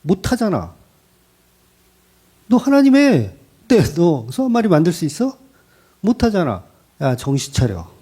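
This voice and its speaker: A man's voice: sits high, wildly swooping pitch, mellow, slightly rough, heavily acted. A man voicing God scolding a proud man, sarcastic and blunt, firing off rhetorical questions. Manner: mocking, rapid-fire rhetorical questions.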